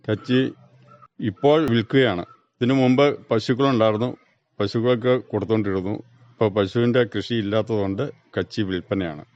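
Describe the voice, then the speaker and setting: A man from Kerala with a local accent and a fairly low voice answers interview questions as a farmer. He keeps his replies short and factual. The recording is dry and somewhat muffled. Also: steady tone, a little fast, darkish tone, dry recording. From Kerala, India. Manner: brief, plain, matter-of-fact answers. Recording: dull, band-limited dry radio recording.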